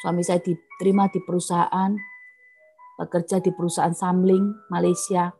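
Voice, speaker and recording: A woman's voice: lowish voice, level tone, moderate pace, warm tone, faint music behind. A middle-aged woman giving an earnest personal testimony at an online prayer meeting, speaking straight to her listeners as brethren.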